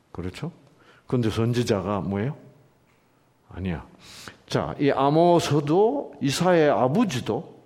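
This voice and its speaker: Man, preacher, slow deliberate sermon, lively swinging pitch, acts out quotes. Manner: asks the congregation questions, acts out quoted lines in varied voices. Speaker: pastor.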